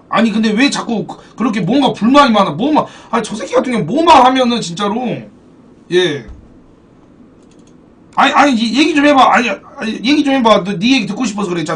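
Recorded from a distance, a man with a high voice hosts a casual stream of a football card game. He's animated and swears while bantering with chat and thanking those who donate.

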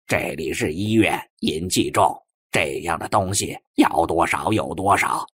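Bossy black cat for audiobook fantasy, male performer: irritable, loud scolder, raspy, meowing, dry close recording. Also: low voice, unhurried, no echo, voice pushed down, full character voice. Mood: irritable, scolding. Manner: scolding, loud, punctuates speech with meows.

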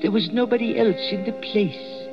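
An actor playing a nervous old male night watchman in a waxworks, hesitant and full of pauses, in a 1940s radio drama on a dull old recording. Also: sits high, over music, natural voice. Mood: uneasy, hushed. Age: older. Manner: hesitant, full of 'uh's, spooky storytelling.

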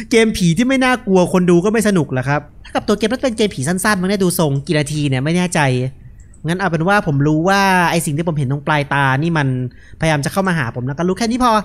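A young man gives casual, joking horror game commentary, relaxed and unafraid, speaking into a headset mic. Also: sits high, fast talker. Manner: laid-back, joking, unafraid. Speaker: gaming video host.

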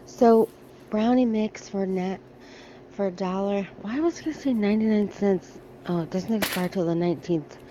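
Middle-aged American woman, casual shopping vlogger, mellow tone, chatty and offhand, phone mic with faint store ambience. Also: mid-range voice, normal speed, a little hiss or hum. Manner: chatty, thinking aloud while browsing. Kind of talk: casual shop-with-me vlog. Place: large discount store aisles. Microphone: handheld phone camera.

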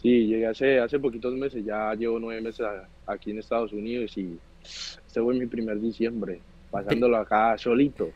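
A man's voice: fairly low pitch, fairly even intonation, normal speed, darkish tone, husky. A man in his twenties from Cali, Colombia, with a Colombian accent, giving plain, modest answers in a video-call interview. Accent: Colombian Spanish. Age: 20s. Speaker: guest footballer. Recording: dry, dull video-call audio.

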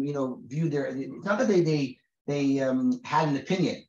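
A man in his forties who grew up in Israel teaches a class, talking conversationally and stumbling over repeated words as he goes. He is recorded in a room with a lot of echo. The sound is dull and lo-fi. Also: fairly high pitch. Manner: reads Hebrew sources aloud quickly. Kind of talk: recorded lecture to a group.

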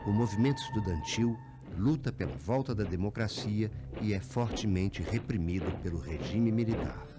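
A man reading scripted narration for a documentary in a measured, solemn way. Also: fairly low pitch, lively intonation, noisy background.

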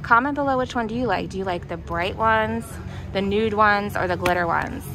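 This is a young American woman's shopping vlog, recorded on a phone or handheld camera she holds as she casually and excitedly gushes over store items. She's inside a discount retailer, with music and other noise behind her. Her voice is medium in pitch and her pace moderate.

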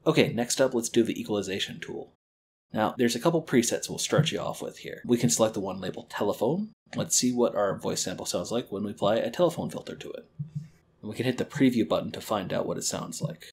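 A man teaching a screen-recorded lesson on a quality desk microphone, calmly explaining audio editing and wave theory step by step. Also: lowish voice, fast talker, slight background noise. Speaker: library educator.

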